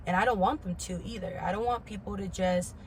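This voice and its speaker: A vlogger in her twenties talks candidly to camera about personal matters, her voice medium-pitched and fairly quick. She drives points home by repeating words emphatically, and there's slight background noise.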